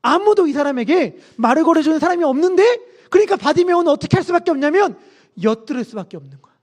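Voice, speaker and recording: High-voiced, animated male pastor. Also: quick pace. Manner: animated storytelling, acts out scenes. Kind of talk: sermon.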